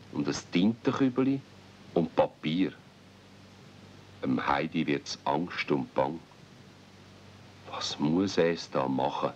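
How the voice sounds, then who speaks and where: A man with a Swiss German accent narrating a children's radio play as a storyteller. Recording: dull 1970s recording with rumble.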